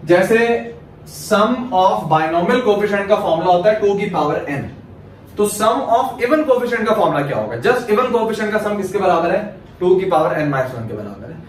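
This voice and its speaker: A man's voice: high-pitched, very animated, unhurried. A male maths teacher from Pakistan giving a lecture, explaining step by step and answering his own questions. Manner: asks questions then answers them himself. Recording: very echoey room, mic far off, faint hiss.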